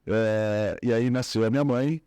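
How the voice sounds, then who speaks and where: A man's voice: lowish voice, steady tone, a little slow, warm tone, clear, resonant tone, no echo. A middle-aged man from São Paulo with a Paulistano accent, a guest in a casual interview, rambling through his family story with many fillers and restarts. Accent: Paulistano Brazilian Portuguese. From São Paulo, Brazil.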